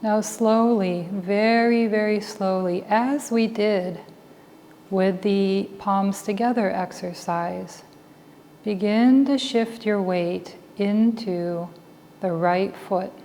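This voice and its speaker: A meditation teacher and Buddhist chaplain guides a meditation in a slow, soft, medium-pitched voice. She is calm and deliberate, leaving long pauses between short phrases, in a reverberant hall with faint background noise.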